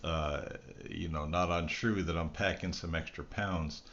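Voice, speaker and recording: A man's voice: deep voice, steady tone, a little slow, a bit bright. A middle-aged man hosting a channel, speaking to camera in a casual, reflective, earnest and rambling conversational way. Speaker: host of a spirit recording channel. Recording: dull lo-fi sound with background noise.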